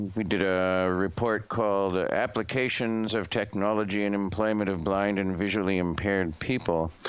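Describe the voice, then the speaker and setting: A man's fairly low-pitched voice with a Canadian accent, an unremarkable speaking voice, at a fairly slow pace with fairly even intonation and very even loudness. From Ontario, Canada. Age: 60s. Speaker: blind access technology specialist. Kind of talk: interview.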